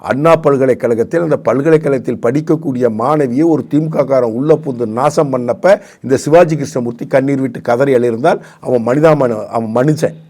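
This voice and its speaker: A man's voice: mid-range voice, normal speed, few pauses, warm tone. A man, giving combative political commentary on a talk show and firing off repeated rhetorical questions.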